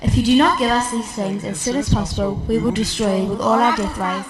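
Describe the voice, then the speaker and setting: A woman voicing a menacing alien who lists its demands in a flat, deliberate way. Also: fairly high pitch, over a noisy crowd, natural voice. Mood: threatening. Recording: distant, heavy music behind.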